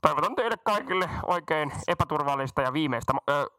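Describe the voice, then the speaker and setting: A man voicing a careless, boastful airline captain who rambles through a deadpan cabin announcement. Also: on the high side, smooth, no room sound. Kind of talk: comedy sketch.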